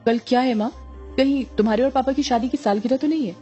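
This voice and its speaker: Brief: an insistent young daughter, read by a woman, mellow voice, faint music underneath. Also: sits high, fast talker, highs cut off, pitched above the performer's own voice, natural voice. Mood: questioning. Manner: insistent, pleading.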